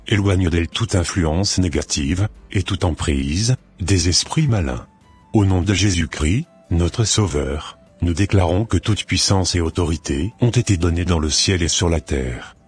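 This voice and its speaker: Deep, husky, devout Christian man acted out. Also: full character voice. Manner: formal, solemn prayer delivery. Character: devout Christian man praying for deliverance, solemn and earnest. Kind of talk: scripted Christian cartoon dialogue and prayer.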